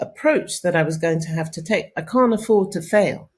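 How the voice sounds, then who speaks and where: A woman with a British accent sounds somewhat breathy, her intonation lively, in a very clean recording with a silent background. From England. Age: 50s. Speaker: coach and hypnotherapist. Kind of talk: interview conversation. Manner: serious; some stammering.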